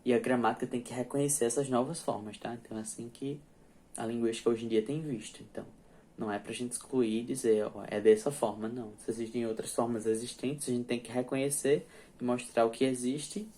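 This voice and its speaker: A man teaching a casual English grammar lesson, explaining rules in a relaxed way and often checking in with his students. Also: mid-range voice, a little fast. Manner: chatty, many restarts and checks like "ok?" and "tá?".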